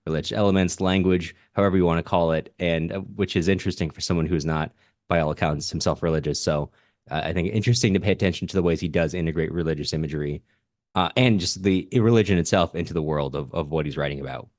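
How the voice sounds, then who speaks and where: A man with a low-pitched voice speaks as a podcast host. He moves between reading comments aloud and offering measured, reflective commentary. The recording is close and dry. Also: a little mellow, no echo.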